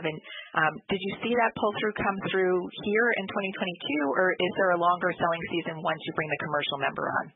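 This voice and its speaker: A male analyst posing questions on an earnings call. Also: on the high side. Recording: noisy, tinny telephone line.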